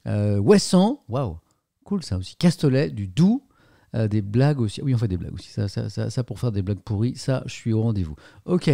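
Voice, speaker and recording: A man's voice: lowish voice, expressive, normal speed, gravelly, mellow, no echo, clean studio sound. A middle-aged man hosting a casual livestream, chatting and joking as he reads out viewer messages, often stumbling over and repeating his words. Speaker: livestream host.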